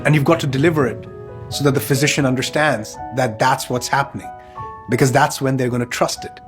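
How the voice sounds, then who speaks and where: A man giving documentary interview testimony in a deliberate, explanatory way, posing questions and then answering them. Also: mid-range voice, steady tone. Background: guitar music.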